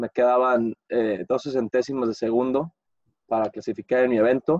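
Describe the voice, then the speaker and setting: A man with an unremarkable speaking voice talks at a moderate pace and medium pitch, his intonation fairly even, in a dry, close sound with no echo. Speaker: competitive swimmer. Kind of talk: casual chat.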